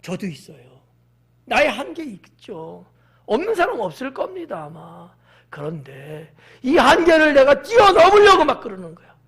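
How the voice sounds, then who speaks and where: A man preaching a sermon as pastor of his church, acting out quotes and swinging from shouts to hushed whispers. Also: very high voice, huge pitch swings, moderate pace. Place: church sanctuary.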